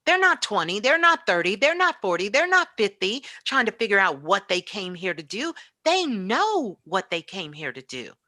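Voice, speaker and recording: A woman's voice: mid-range voice, very animated, normal speed, few pauses, sharp tone. A woman giving an impassioned spiritual talk as a guest teacher, emphatic and repetitive like a preacher.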